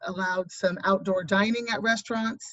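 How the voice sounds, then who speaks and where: A woman talks at a moderate pace in a medium pitch, somewhat breathy. Her intonation is monotone and flat. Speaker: attorney. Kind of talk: webinar presentation.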